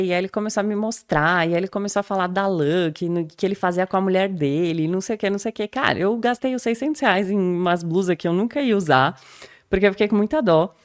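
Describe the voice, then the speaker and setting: A woman's voice: medium pitch, no echo, clean studio sound. A woman, a podcast guest chatting casually and telling stories with lots of laughs and fillers. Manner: animated storyteller, laughs often, many fillers. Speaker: guest neuropsychologist.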